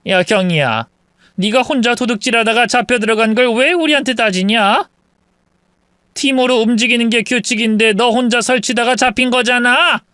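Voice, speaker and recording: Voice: medium pitch, pushed and bright, clear, resonant tone, dry recording, studio quality, pitched above the performer's own voice, close to an everyday voice. A reader voicing a scheming older mother-in-law who runs a family of thieves, speaking with scolding contempt.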